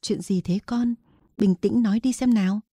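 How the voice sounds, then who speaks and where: A woman voicing a gentle older mother in an audiobook reading, speaking tenderly and softly. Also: medium pitch, fairly even intonation, slow pace, slightly rough, dry recording, studio quality. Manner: tender, soft.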